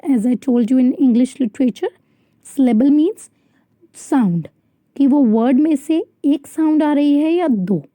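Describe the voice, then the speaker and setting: Slow, dark-voiced woman teacher. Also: sits high, dry recording. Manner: reads English lines very slowly, then explains fast in Hindi. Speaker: school teacher. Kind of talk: bilingual classroom lesson, reading English slowly and explaining in Hindi.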